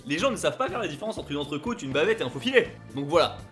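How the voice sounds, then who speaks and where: A young man talks straight to his viewers in a casual vlog, reading their messages aloud. He speaks very fast in a fairly high voice and flares into loud, playful outrage. Faint music plays underneath. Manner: animated, swings into loud mock outrage. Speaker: YouTuber.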